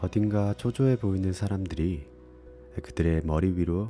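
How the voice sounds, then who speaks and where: The speaker goes at a fairly slow pace with music playing in the background. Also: man. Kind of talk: fiction reading. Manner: calm, soothing.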